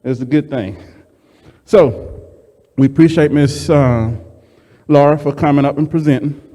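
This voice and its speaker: A man hosting a meeting and introducing speakers, speaking haltingly with many ums and restarts. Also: fairly high pitch, warm tone. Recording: reverberant meeting hall.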